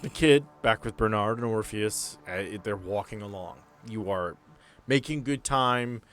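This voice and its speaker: A man's voice: on the low side, a little slow, a bit bright. A man narrating a tabletop roleplaying game as game master, with joking asides.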